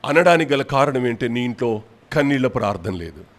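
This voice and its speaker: A male pastor preaching a sermon, rebuking his listeners with a string of pointed rhetorical questions and swinging between loud and quiet. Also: mid-range voice, expressive, a little fast. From India.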